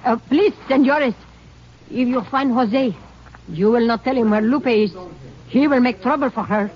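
A woman's voice: on the high side, unhurried, natural voice. A woman voicing a breathless mother. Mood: earnest. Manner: broken English, pleading and earnest. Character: weary middle-aged Mexican mother picking cotton. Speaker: farm worker mother. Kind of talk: 1950s radio acting. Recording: dull old radio broadcast.

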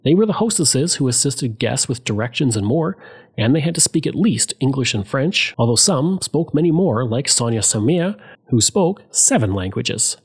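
A man narrates a history documentary from a script, his pitch rising and falling in a lively way. His voice is slightly husky. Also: moderate pace. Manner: lively storytelling, reads out quotes.

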